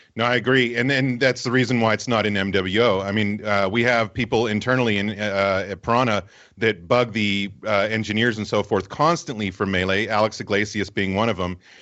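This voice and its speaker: Fairly quick pace and fairly even intonation. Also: man, fairly low pitch for a man. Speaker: podcast host. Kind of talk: casual chat.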